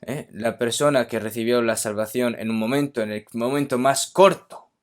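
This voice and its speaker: A man's voice: mid-range voice, normal speed. A man from Korea preaching a sermon emphatically, often checking in with his listeners.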